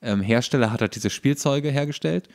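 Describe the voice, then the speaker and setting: A man's voice: medium pitch, fairly quick, vocal fry. A man co-hosting a casual podcast chat, explaining trivia at length and in detail. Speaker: podcast co-host.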